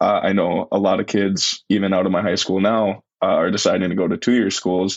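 He speaks with an Upper Midwest accent at a fairly low pitch. His intonation is monotone and flat, and his pace is moderate. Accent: Upper Midwest American. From North Dakota. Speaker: agricultural student and intern. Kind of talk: podcast interview.

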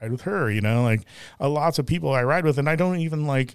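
This man speaks at a very fast pace with an American accent and a fairly high pitch. The recording is very clean, with a silent background. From Southern California (Anaheim). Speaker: motorcycle industry figure and content creator. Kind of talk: casual interview chat. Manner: casual, with many fillers.

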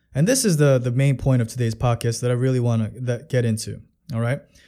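A man speaks at a fairly quick pace with an American accent and a medium pitch. The recording is very clean, with a silent background. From Queens, New York. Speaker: podcast host. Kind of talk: solo commentary monologue. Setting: home video recording. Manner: animated.

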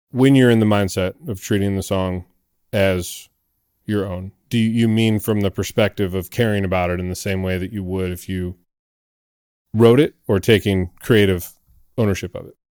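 Here a man speaks at a moderate pace with a fairly low pitch, fairly even intonation, and an ordinary speaking voice. His loudness swings widely, and the sound is dry and close with no echo. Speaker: podcast host. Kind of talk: interview conversation.

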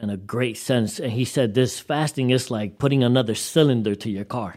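At a moderate pace, a man in a Puerto Rican accent speaks with fairly even intonation. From Puerto Rico heritage, raised in Massachusetts. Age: 30s. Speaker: youth pastor. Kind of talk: casual chat.

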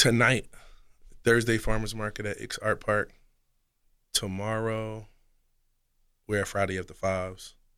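A man with an American accent speaks at a fairly slow pace in a fairly low pitch, his intonation monotone and flat, with long, frequent pauses. His tone is bright and sharp, his loudness swings widely, and the recording is very clean with a silent background. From Philadelphia (South Philly), then Charlottesville, Virginia from age ten. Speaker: food business owner. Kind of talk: casual interview. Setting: studio.

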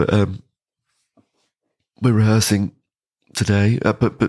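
A man speaks quietly at a moderate pace, the sound dry and close with no echo. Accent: British. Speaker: session musician. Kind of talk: casual vlog monologue. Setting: hotel room. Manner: talking quietly.

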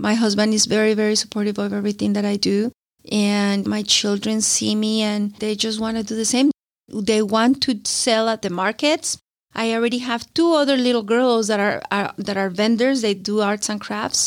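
In a very clean recording with a silent background, a woman with a Spanish accent speaks at a fairly high pitch with fairly even intonation. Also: moderate pace. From Colombia. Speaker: coffee business owner. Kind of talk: interview testimony.

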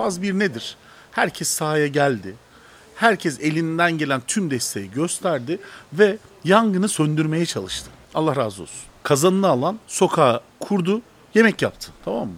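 Swinging very widely in pitch, a man with a fairly high voice speaks at a moderate pace. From Adana, Turkey. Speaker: chef. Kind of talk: interview. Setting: on location in earthquake zone.

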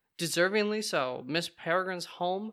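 A man's high-pitched voice with a bright, sharp tone. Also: very clean recording, silent background. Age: 30s. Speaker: movie review podcast host. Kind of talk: casual movie review monologue.

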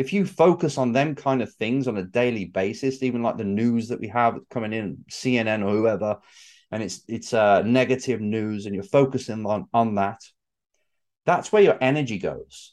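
A man speaks at a moderate pace in an ordinary speaking voice, medium in pitch with ordinary pitch variation, over a quiet background. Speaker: race driver coach. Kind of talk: monologue, educational talk to camera.

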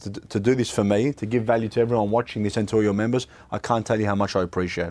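On a very clean recording with a silent background, a man of medium pitch talks at a very fast pace. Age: 40s. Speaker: podcast host. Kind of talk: interview.

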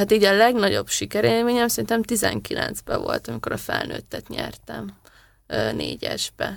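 A woman talks at a fairly slow pace in a very clean recording, with a silent background behind her. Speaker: sprint kayaker. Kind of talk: interview. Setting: studio.

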